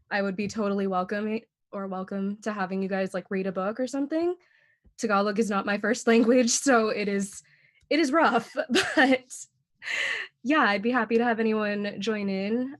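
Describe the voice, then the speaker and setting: Friendly young woman on a video call. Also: mid-range voice. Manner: friendly, laughs often, many fillers. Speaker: library staff running bilingual story time. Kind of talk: casual meeting update.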